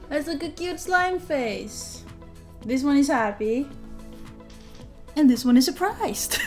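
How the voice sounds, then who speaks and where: A young woman with a Norwegian accent, a native Norwegian speaker, chatting casually in a show-and-tell vlog, rambling with many fillers. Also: medium pitch. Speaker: vlogger.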